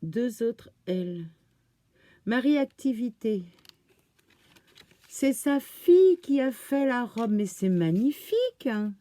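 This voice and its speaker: A woman hosting a craft channel, gushing with oohs and exclamations as she slowly unpacks crafts in casual chat. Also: on the high side, sing-song, mellow, no echo. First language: French. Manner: slow, thinking aloud as she unpacks.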